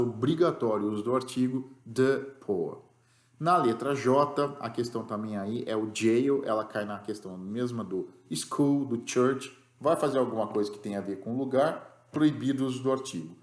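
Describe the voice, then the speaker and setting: A man's voice: medium pitch, echoey room. A man with a Brazilian Portuguese accent teaching an English grammar lesson, explaining rules patiently and checking in with the class after each point.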